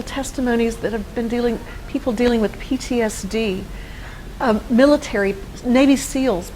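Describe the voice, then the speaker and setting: In a rough recording with slight background noise, a woman in her fifties from Texas gives personal testimony as a studio interview guest. Her voice is on the high side, and she tells her story earnestly, performing the lines she quotes.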